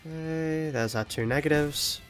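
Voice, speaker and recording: A young man streaming a video game while ill with a cold, sounding nasal and stuffy, talking quietly with low energy and chuckling now and then. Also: normal speed, soft background music. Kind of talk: casual live-stream chat while playing.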